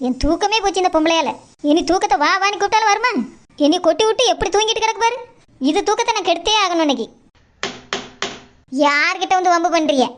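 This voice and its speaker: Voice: very high voice, fast talker, pauses often, fairly bright tone. An actor voicing an aggrieved, mischievous cartoon woman, complaining and whining. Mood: grumbling, scheming. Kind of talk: cartoon dub dialogue.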